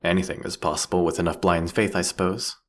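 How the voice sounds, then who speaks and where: A man playing a seductive, mocking vampire king in a fantasy audio roleplay, with theatrical, teasing, eloquent delivery and a husky, gravelly voice. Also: low voice, fairly even intonation, quick pace, fairly bright tone. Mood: wry, musing.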